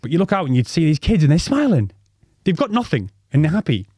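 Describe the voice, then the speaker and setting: A man's voice: on the high side, very animated, fast, dark tone, husky, dry recording. A man in his thirties from North East England with a North East accent, co-hosting a podcast and telling life stories in a rambling, swearing way, full of ums and restarts. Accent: North East English. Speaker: podcast co-host. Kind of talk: casual storytelling chat.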